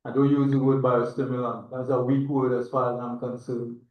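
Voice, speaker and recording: A man's voice: medium pitch, little pitch movement, a little fast. A distant, echoey and slightly dull recording of an older Trinidadian man presenting to an online meeting. His mid-range voice wanders reflectively through informal remarks, with a hesitant delivery. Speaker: agronomist and institute chairman, presenter.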